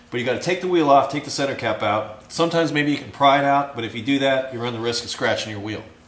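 A man talks at a fairly quick pace with ordinary pitch variation. Some room echo can be heard. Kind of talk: tutorial. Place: garage. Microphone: phone near.

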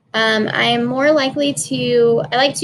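A woman with an American accent speaks with a fairly low pitch and very wide pitch swings over noticeable background noise. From North Carolina. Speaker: middle school science teacher. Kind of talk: recorded presentation to parents. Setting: recorded video presentation. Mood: friendly, upbeat. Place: home room. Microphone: webcam.

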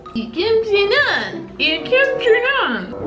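Clear background music plays throughout. Over it, a woman talks. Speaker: food vlogger. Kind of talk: casual vlog chat, food review. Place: home room. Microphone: camera far.

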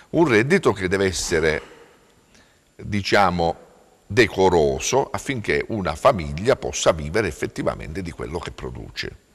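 Speaking with vocal fry and long, frequent pauses, a man with a very deep, low pitch swings his pitch very widely. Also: moderate pace, big swings in loudness. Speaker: agricultural engineer, olive growers' association technical director. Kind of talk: TV interview. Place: studio. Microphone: lapel.

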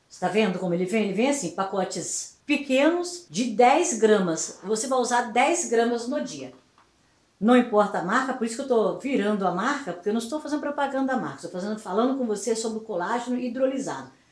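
A woman speaking at a fairly quick pace, with audible room echo against a quiet background. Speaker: lifestyle vlogger. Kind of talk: casual vlog advice. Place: kitchen.

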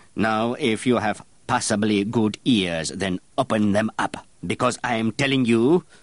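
A natural voice reading aloud

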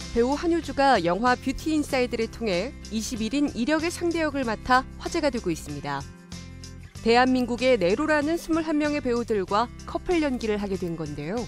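A woman speaks at a moderate pace in a high voice. Her pitch swings very widely, with music playing in the background. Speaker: entertainment news anchor. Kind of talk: entertainment news narration.

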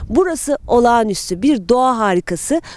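A woman talks at a moderate pace with lively intonation. The sound is dry with no echo, over light background noise. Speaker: TV travel show host. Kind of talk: TV travel presenter piece to camera. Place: open country. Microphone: handheld.

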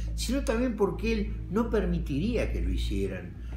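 Audible room echo and light background noise surround a man talking at a moderate pace. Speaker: writing teacher reading a story. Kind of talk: literary reading aloud. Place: home room.

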